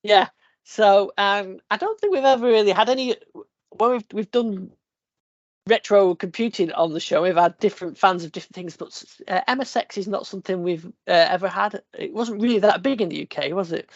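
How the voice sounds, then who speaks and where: A man's voice: high voice, a little fast, no room sound. Brief: man, podcast host fighting a cold, sniffly, rambling with fillers, dull dry lo-fi sound. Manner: rambling, many fillers and restarts. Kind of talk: casual tech podcast chat.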